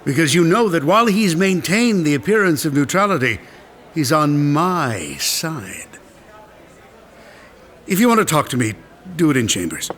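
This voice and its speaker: A man's voice: on the high side, very animated, moderate pace, pauses often, fairly bright tone. A man acting in an audio drama as a defiant, ambitious politician with a combative, cutting manner. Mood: cold, suspicious. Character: defiant, ambitious politician arguing for a modernised planet. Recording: music under the voice.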